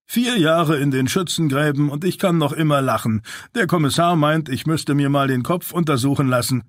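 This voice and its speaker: Jovial stocky soldier, higher than the male reader's own voice, joking, dry close sound. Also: moderate pace, dry recording, close to an everyday voice. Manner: cheerful, joking. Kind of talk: audiobook character voice.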